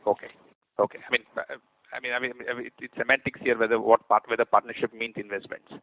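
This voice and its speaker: A man calling in as an analyst, informally making points with repeated, halting starts. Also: mid-range voice, little pitch movement, no echo. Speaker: analyst caller. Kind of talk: informal questioning on an earnings call. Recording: dry, narrow phone line.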